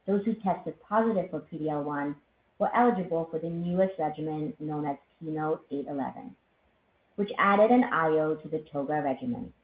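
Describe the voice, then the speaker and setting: A woman executive giving a formal, measured scripted presentation on a corporate earnings call. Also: low-pitched. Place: conference call line. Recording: thin phone-like line, roomy echo, faint noise.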